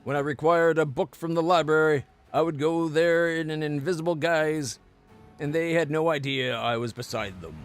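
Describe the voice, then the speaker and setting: A man's voice: a little high, normal speed, clear, resonant tone, faint music behind, lightly acted. A man voicing an arrogant undead lich in a sneering, gloating, haughty manner, reading fantasy game dialogue aloud.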